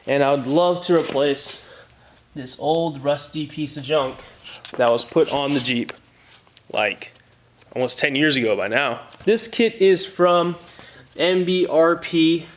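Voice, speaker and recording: A man's voice: a little high, slow pace, a little hiss or hum. A man hosting a casual how-to vlog, explaining things in an informal, plain-spoken way. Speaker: host of a car DIY channel.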